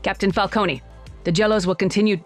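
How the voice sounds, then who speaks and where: A woman's voice: medium pitch, fairly even intonation, fairly quick, music in the background. A woman audiobook narrator in studio outtakes, breaking into giggles as she reads. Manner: giggling, breaking up mid-line. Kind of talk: studio outtakes, reading and laughing.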